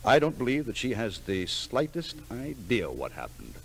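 An actor playing a patronizing, secretive man, measured and soothing, in 1940s radio drama style. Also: mid-range voice, wildly swooping pitch, creaky, very noisy. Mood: explaining. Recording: vintage radio recording.

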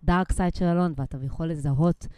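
A woman's voice: deep voice, steady tone, a little mellow, clean tone, dry recording. A woman co-hosting a podcast in casual chat, talking chattily with lots of fillers and poking fun at herself. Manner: chatty, filler-heavy, self-deprecating. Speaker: podcast co-host.

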